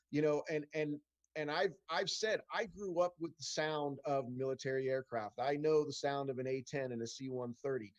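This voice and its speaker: A man's voice: medium pitch, highs cut off. A middle-aged man, a political candidate, answering town hall questions earnestly over a video call, with frequent restarts and fillers. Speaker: congressional candidate.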